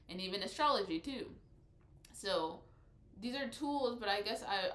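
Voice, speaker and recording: A woman's voice: on the low side, fairly bright tone. A woman talking casually in a spiritual vlog, rambling with many restarts, and she sounds congested and nasal. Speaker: vlogger. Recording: echoey room.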